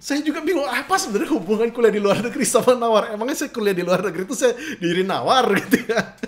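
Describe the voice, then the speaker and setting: A man teaching negotiation in a casual business lesson, animated and acting out both sides of a haggle. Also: very high voice, quick pace. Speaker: negotiation trainer.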